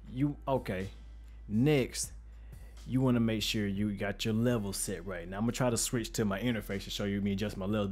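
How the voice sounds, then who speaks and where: In a casual, conversational music production tutorial, the male host speaks in slang with a deep, darkish, bass-heavy voice. His studio mic, fitted with a pop filter, is up close. He records in an untreated home studio room using a reflection filter.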